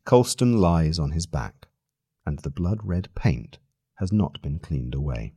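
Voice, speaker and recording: A man narrates long-form journalism in a very low voice. His phrasing is measured and deliberate, with a slightly husky edge to the sound. The recording is dry and close, with little room in it. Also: very animated, warm tone, no echo. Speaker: narrator reading a long-form newspaper article aloud.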